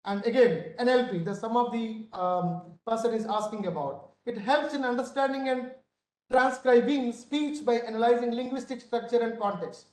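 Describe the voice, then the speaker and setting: A man's voice: very high voice, moderate pace, a little mellow. A South Indian man gives an online lecture. He explains things step by step in a didactic manner and checks in often. The sound is roomy and echoing, as on a video call. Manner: didactic, repeatedly checking with "right?". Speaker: instructor. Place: indoor room, video call.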